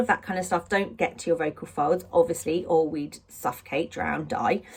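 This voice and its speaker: In an English accent, a woman talks at a medium pitch. Her pace is moderate. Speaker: vocal coach. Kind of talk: tutorial. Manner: casual, chatty.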